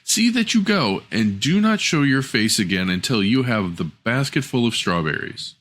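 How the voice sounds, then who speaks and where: A man's voice: medium pitch, sing-song, normal speed, a bit bright. A man voicing a cruel, envious stepmother in a fairy tale, bitter and commanding. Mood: scolding. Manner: commanding, scolding.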